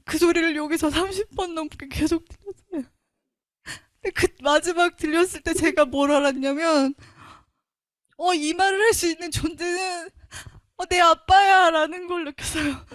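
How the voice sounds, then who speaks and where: A woman's voice: very high voice, steady tone, normal speed, dry recording, clean studio sound. A woman giving an earnest, emotional Christian testimony. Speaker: testimony speaker.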